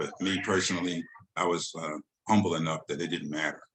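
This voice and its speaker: Speaking with an American accent, a man pairs a very deep, low pitch with a bright, sharp tone. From US Northeast, West Philadelphia. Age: 60s. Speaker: social work graduate and recovering addict, Air Force veteran. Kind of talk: interview testimony. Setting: video call. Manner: halting.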